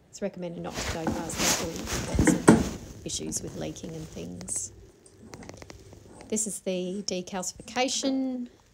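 Over loud background noise, a woman with an Australian accent speaks at a moderate pace. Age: 50s. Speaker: home product reviewer. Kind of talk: casual product review to camera. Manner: casual, chatty. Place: home room. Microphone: phone near.

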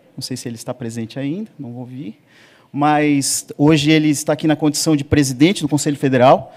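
A man with a dark, mellow tone speaks at a fairly high pitch and moderate pace with fairly even intonation. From southern Brazil, Santa Catarina (Araranguá); Santa Catarina, Brazil. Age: 50s. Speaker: labour lawyer; candidate. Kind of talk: formal address to a council hearing. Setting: speaking from a rostrum before a live audience. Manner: formal. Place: hall. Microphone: podium.

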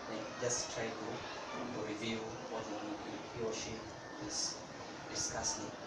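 Long, frequent pauses break up very slow speech, heard with audible room echo over loud background noise. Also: man. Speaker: trainee teacher. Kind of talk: coaching session. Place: office. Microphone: camera far.

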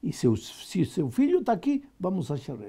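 Somewhat breathy, a man with a dark, mellow tone talks at a fairly slow pace. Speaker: Adventist pastor and preaching teacher; preacher teaching preaching. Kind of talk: preacher storytelling, personal anecdote in a preaching seminar. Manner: animated, emotional, dramatic retelling with vivid pauses; conversational, mixes Spanish and Portuguese. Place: studio. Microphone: lapel.

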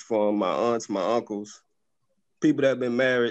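At a moderate speed, a man talks, his pitch varying in an ordinary way. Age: 30s. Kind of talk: casual discussion. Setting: video call. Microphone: video call.

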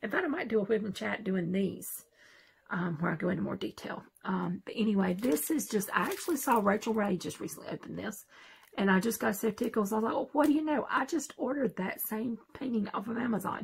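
Talking at a very fast pace, a woman uses lively intonation and vocal fry over light background noise. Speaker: craft video creator. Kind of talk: casual unboxing vlog; casual vlog chat. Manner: soft-spoken.

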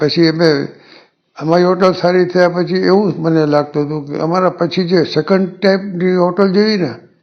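His intonation is fairly even. This man's voice is high-pitched. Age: 90s (91). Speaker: hotel founder. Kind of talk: interview. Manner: halting.

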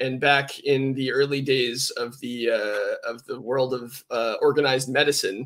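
A man with a Canadian Maritime accent speaks at a moderate pace and fairly high pitch, with ordinary pitch variation, in a very clean recording with a silent background. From Atlantic Canada (Nova Scotia). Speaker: comedy podcaster. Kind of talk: comedic game show banter.

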